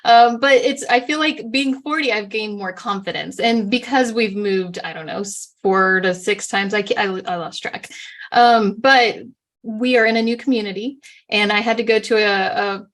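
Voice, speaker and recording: A woman of forty hosting a live online conversation. Her voice sits at a middle pitch, and she talks in a chatty, looping way with lots of agreement. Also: moderate pace. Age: 40s. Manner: chatty, with many fillers and restarts, warmly agreeing. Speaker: host.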